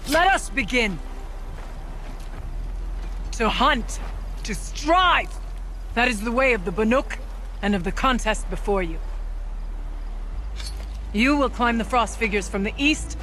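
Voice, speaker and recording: An actor playing an authoritative tribal elder presiding over a ritual hunt in a video game, with ceremonial, commanding, formal speech. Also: male voice, very high voice, lively intonation, slow, pauses often, pushed and bright, faint music behind, exaggerated voice. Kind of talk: dramatic video game acting.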